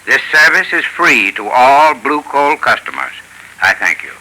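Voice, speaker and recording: A man giving scripted advice to listeners on a 1930s radio program, in a measured, instructive way. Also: medium pitch, very animated, bright, forceful tone, rough recording. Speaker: sponsor's heating expert. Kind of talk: scripted advertising talk. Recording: old radio broadcast.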